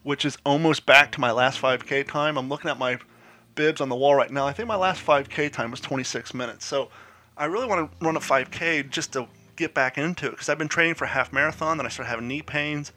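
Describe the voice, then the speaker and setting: A man's voice: a little high, fairly quick, bright, forceful tone. Congested man chatting on his podcast. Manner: chatty, self-deprecating storytelling. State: congested head cold. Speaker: podcast host. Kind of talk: casual solo podcast monologue. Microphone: podcast mic.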